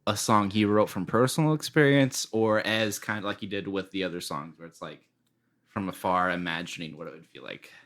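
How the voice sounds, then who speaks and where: A man co-hosting a podcast in a jokey, animated, casual chatting style. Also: deep voice, fairly quick. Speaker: podcast co-host. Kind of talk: casual chat.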